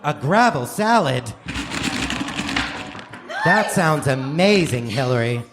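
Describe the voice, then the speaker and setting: A man's voice: mid-range voice, very animated, slow pace. A man performing a mock sponsor read with exaggerated enthusiasm in a live staged radio comedy. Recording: noisy live theater stage recording.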